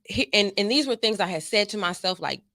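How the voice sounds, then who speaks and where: A woman's voice: mid-range voice, animated, brisk, pushed and bright, no room sound. A young adult woman, a guest on a podcast, telling her story in casual chat and urging listeners on with a preachy, motivational drive. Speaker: podcast guest, dance fitness instructor.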